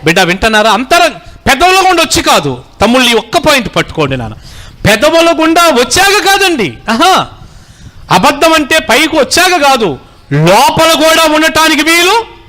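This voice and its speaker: A man's voice: extremely high pitch, huge pitch swings, a little fast, sharp tone. A pastor in his forties preaching a sermon, fatherly and exhorting, calling his listeners children and having them repeat phrases.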